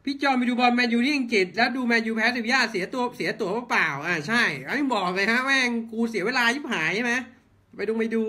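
A man's voice: high-pitched, bright, forceful tone. A man ranting blunt football commentary, heated and swearing, firing off rhetorical questions. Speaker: football fan channel host.

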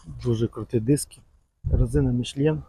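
A man's voice: mid-range voice, steady tone, moderate pace, warm tone, husky, dry recording, low-quality recording. A man casually showing cars for sale at an outdoor market, chatting in a loose, rambling way with lots of fond little words. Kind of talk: casual walk-around commentary.

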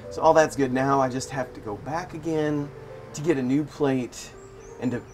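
A man chatting in a relaxed, wry and amused way as he tells everyday stories for his vlog. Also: mid-range voice, normal speed, soft background music. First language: English. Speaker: vlogger. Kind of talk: casual storytelling vlog. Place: living in Thailand.

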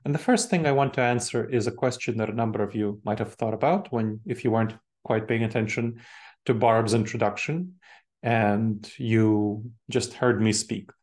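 A man's voice: fairly low pitch, steady tone, normal speed, a little mellow. A man in his forties with an Eastern European accent, from Moldova, giving an online talk to professionals from a home office with bookshelves, chatty and engaging with a live chat. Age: 40s. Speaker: speaker. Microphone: webcam video call with earbuds.

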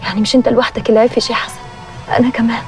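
An actress plays a blunt, calculating village woman. She speaks fast in a fairly high voice, with soft music behind her. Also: little pitch movement, natural voice. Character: scheming village woman pressing for marriage. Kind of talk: TV drama acting.

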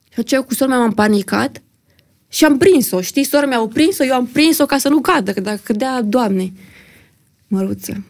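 Young woman with a gravelly voice telling a dramatic story. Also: fairly high pitch, expressive, darkish tone, no echo, clean studio sound. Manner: vivid, dramatic retelling, acting out what others said. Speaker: podcast guest. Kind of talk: emotional personal storytelling in conversation. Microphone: podcast studio microphone.

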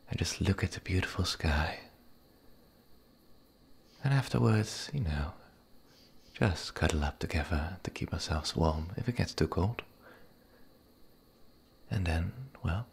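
A man voicing a gentle, playful male werewolf in an ASMR roleplay, speaking softly and intimately, often in a whisper. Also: low voice, full character voice. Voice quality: husky, breathy, gravelly. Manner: soft, intimate, halting.

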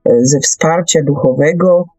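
A woman hosting a radio discussion, talking in a halting, deliberate way with frequent hesitations. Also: sits low, mellow, dry recording, soft background music, rough recording. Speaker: host.

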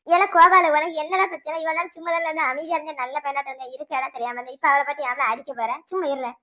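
Cartoon: bossy older village woman neighbor, Tirunelveli accent, very rapid, sharp lecturing delivery, voiced by a performer. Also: high voice, steady tone. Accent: Tirunelveli Tamil. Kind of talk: cartoon voice acting.

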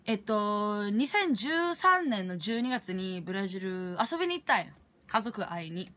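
A woman's voice: mid-range voice, sing-song, moderate pace, pushed and bright. A young woman with a Kansai accent telling a travel story to camera in a casual vlog, acting out her own reactions as she goes. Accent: Kansai Japanese. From Japan. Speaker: vlogger.

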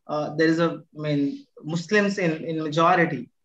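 Young Indian English man, questioner, lots of "uh", slightly high, muffled call. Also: moderate pace, fairly bright tone. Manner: hesitant, frequent "uh". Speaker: participant asking questions. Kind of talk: question at an online discussion. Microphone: video call. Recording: echoey, muffled video call audio.

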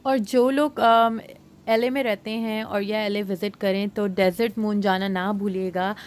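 A woman's voice: medium pitch, fairly even intonation, measured pace. A woman in her thirties from Pakistan, talking casually to her viewers while she vlogs her day. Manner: chatty, addressing viewers directly. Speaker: vlogger. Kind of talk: casual vlog narration to camera. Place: indoor mall, then parked car.

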